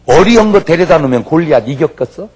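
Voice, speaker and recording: A husky, fairly high-pitched male voice moving at a fast clip. It belongs to a pastor giving a comic revival sermon who animates his anecdotes, impersonating the people involved and shouting.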